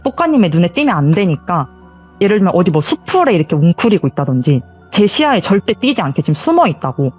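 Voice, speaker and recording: A woman's voice: fairly low pitch, sing-song, fast, darkish tone, slightly rough, soft background music. A woman recounting a true ghost story in an interview, emotional and vivid, acting out the quoted lines. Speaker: guest sharing a viewer's story.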